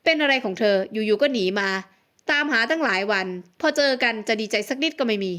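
A woman's voice: sits high, animated, brisk, fairly bright tone. A woman voicing a domineering, arrogant young male mafia boss in an audiobook, scolding and menacing. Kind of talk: audiobook character voice.

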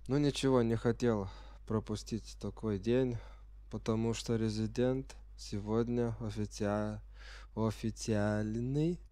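Sick male gamer, non-native speaker, hesitant first-timer, low-pitched, dry close sound. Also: fairly even intonation, dark tone, no room sound. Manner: halting, unsure, non-native speaker fumbling for words; reads game menu text aloud while puzzling over it. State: sick with a virus. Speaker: gamer playing on camera. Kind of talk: unprepared first-time gameplay commentary.

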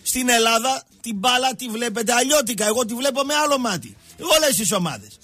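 A man's voice: very high voice, lively intonation, bright, forceful tone, no room sound, soft background music. A man ranting as a football pundit on a radio show, stammering and slipping into a sing-song delivery. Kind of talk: heated radio sports rant.

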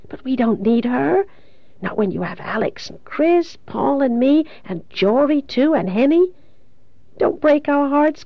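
A woman's voice: on the high side, dry recording, dull audio. A woman voicing a tender, protective motherly woman in an audiobook, soothing and urgently pleading.

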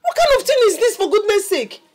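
A woman's voice: fairly high pitch, sing-song, normal speed, a little mellow, a little hiss or hum. An actress with a Nigerian accent playing an emphatic mother in a film drama, given to scolding and reassuring. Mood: exasperated, scolding. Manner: emphatic, repeats rhetorical questions and tag words.

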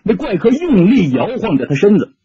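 A man's voice: high-pitched, big pitch swings, moderate pace, warm tone, highs cut off. A man narrating an audiobook story dramatically, shifting his tone with the action.

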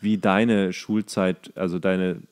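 A man with a fairly low voice chats casually as a podcast co-host. He sounds tired and a little drunk, and his jokey sentences ramble and trail off. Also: little pitch movement, takes it slowly, clear, resonant tone. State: tipsy and tired from whisky. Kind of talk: casual comedic chat.

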